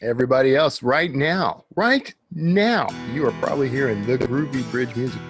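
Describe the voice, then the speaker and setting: A man's voice: mid-range voice, moderate pace, faint music behind. A man hosting a podcast, chatting casually and conversationally to his listeners with jokey asides. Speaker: podcast host.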